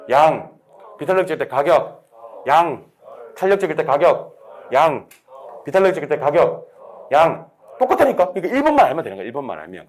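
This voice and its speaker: Fast, animated man lecturing. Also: on the high side. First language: Korean. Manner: animated, drills students with rapid questions. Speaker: real estate exam lecturer. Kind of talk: classroom lecture.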